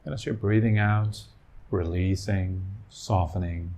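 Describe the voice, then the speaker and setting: Male meditation teacher: very low, gravelly voice, soothing short phrases, gentle guided instruction. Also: fairly even intonation. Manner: soothing, unhurried pauses between short phrases.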